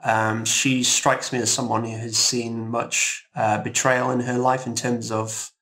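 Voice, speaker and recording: A man explaining ideas as an interview guest, in a thoughtful, measured and hesitant way. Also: mid-range voice, little pitch movement, sharp tone. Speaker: composer, roundtable guest.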